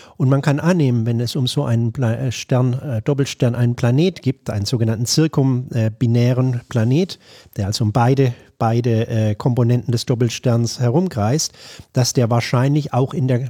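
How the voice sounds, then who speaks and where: A man's medium-pitched, dark, mellow and somewhat breathy voice at a moderate pace with ordinary pitch variation, in a very clean recording over a silent background. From northern Baden-Württemberg, Germany. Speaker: astrophysicist. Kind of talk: interview. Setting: in person on Tenerife.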